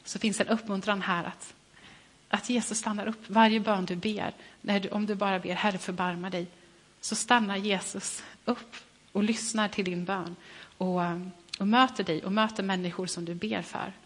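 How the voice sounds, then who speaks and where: Woman giving a sermon, soft and thoughtful, long echo like a big church. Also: medium pitch, steady tone. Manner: gentle reflective preaching with frequent restarts. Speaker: preacher.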